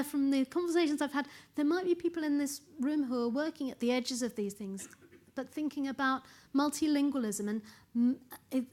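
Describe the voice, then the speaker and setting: A middle-aged woman researcher giving an earnest, emphatic conference talk in a lecture room, often repeating words as she thinks. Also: on the high side. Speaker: researcher presenting at a symposium. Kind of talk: conference presentation.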